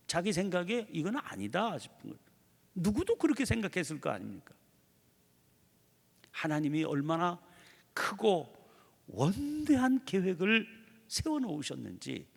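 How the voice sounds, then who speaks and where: A man's voice: high-pitched, creaky, in a large hall. A man preaching an early morning prayer sermon in a church, acting out imagined prayers as he teaches. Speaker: pastor. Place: church sanctuary.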